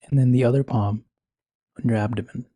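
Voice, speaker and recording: A man speaking slowly and gently with long pauses, guiding a meditation in a soft, breathy voice. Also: medium pitch, steady tone, no room sound. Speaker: meditation guide. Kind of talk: guided meditation.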